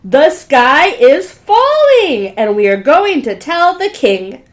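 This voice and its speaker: A woman's voice: sits high, very animated, slow, voice pushed up, heavily acted. A woman voicing a frantic young hen in a children's storybook, with alarmed, stretched-out exclamations. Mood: alarmed, insistent.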